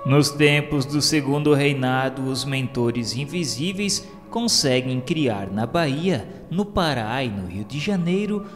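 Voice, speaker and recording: A man's voice: mid-range voice, lively intonation, unhurried, few pauses. A Brazilian man reading scripted narration for a religious radio serial in a solemn, formal, literary manner. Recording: long hall reverb. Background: music.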